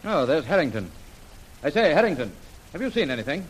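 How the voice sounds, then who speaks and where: An eager young lieutenant reports to his commander politely, adding a respectful word at every turn. The old radio recording carries a clear hiss. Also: a little high, very animated, brisk, low-quality recording. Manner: polite, eager, keeps saying sir. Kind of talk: 1930s radio drama acting.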